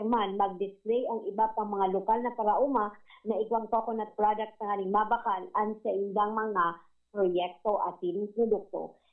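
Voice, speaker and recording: Woman field reporter calling in over phone. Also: mid-range voice. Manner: formal, steady newsreader delivery. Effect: calling in over a phone line to a radio show. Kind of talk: reading a news report. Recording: tinny distant phone line.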